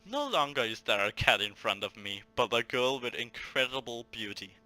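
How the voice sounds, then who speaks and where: A man with a strikingly bright, forceful voice at a middle pitch hosts a visual novel playthrough. He reads the story aloud and keeps jumping in with animated, joking reactions. Faint music plays behind him. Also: normal speed, low-quality recording. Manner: animated, jokey asides to the game's characters. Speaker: let's play host. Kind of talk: reading a visual novel aloud with excited commentary.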